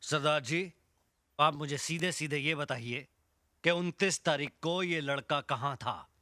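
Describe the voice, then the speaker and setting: A stern police inspector barks questions at a suspect in a bright, forceful, fairly high voice. The sound is close and dry. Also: male voice, unhurried, no room sound. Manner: stern, commanding interrogation. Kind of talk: Hindi film acting.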